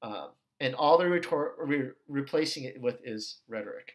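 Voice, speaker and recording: A man's voice: medium pitch, expressive, moderate pace. A man teaching an ethics lesson in a recorded lecture video, talking conversationally and checking in with "okay" and "right". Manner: acts out quoted questions with shifting tones.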